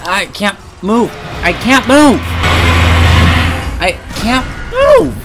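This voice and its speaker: A man's voice: extremely high pitch, huge pitch swings, very slow, over loud music. A man reacting live while playing a video game, exasperated and prone to swearing.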